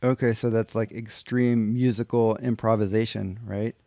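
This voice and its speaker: A man's voice: lowish voice, flat delivery, normal speed, dark tone, no room sound. An American man hosts a casual podcast interview, restating his guest's points and working in plenty of "um"s. The sound is dry and close, with no room around it. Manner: friendly, recaps answers, many fillers. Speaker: podcast host.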